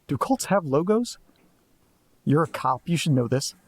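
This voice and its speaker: An actor playing a restless, sardonic young man in an audio drama, who keeps piecing clues together out loud. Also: a little high, animated, no room sound. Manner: sardonic, restless, quick to jump to conclusions. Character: Nate, anxious young man chasing a mystery.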